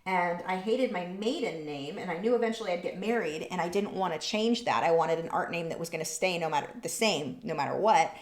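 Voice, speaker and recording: A woman's voice: on the low side, fairly quick, hardly any pauses, echoey room. Chatty woman teaching painting live. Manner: casual, chatty, reading viewer comments aloud. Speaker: art instructor. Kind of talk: live painting tutorial with chat.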